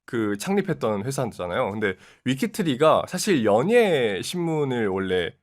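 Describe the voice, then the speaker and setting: A man's voice: mid-range voice, normal speed. A man in his twenties, a guest commentator, explaining social media and politics in casual talk. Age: 20s. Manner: explanatory, steady, frequent short acknowledgments.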